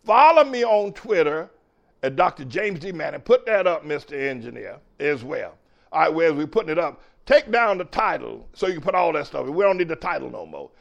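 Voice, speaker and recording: A man's voice: a little high, expressive, fairly quick, gravelly, lo-fi sound. A man hosting his own show as a pastor, preaching emphatically, repeating phrases and calling cues to his engineer. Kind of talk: preaching talk show monologue.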